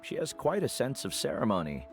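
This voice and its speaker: A wise old tribal mentor with a very deep voice that still rises and falls expressively. He speaks in a measured, gentle way, with faint music underneath. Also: huge pitch swings. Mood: teasing. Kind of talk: game voice acting.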